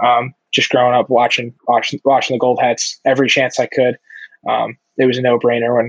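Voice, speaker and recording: The sound is close and dry, without any echo. It carries a man speaking with an American accent. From New York. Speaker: sports podcast co-host. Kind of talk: casual chat.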